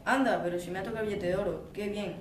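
A teenage boy with a Spain Spanish accent reads a scripted story at a quick pace. He is in a roomy classroom, away from the mic, with clear noise behind him. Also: sits high, steady tone, recorded from a distance. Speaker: student reading radio play. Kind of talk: scripted narration and dialogue, read aloud. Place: school classroom.

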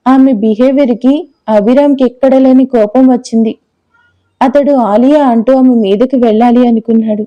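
A woman narrating a scripted romantic audio story in a steady, expressive way. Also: on the high side, moderate pace, lo-fi sound.

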